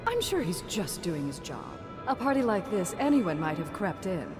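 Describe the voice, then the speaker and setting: A woman's voice: fairly low pitch, big pitch swings, normal speed, music in the background. A woman playing a prim, worried aristocratic party guest in a video game. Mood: placating, chiding. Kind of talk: video game character dialogue.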